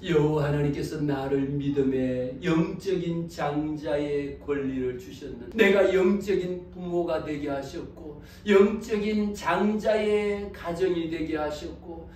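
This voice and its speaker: A man's voice: on the high side, a little slow, hardly any pauses, darkish tone. A male pastor delivering a dramatic sermon, telling the story with cries and wails in the characters' voices. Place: church sanctuary. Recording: echoey church hall, far from the mic, faint noise.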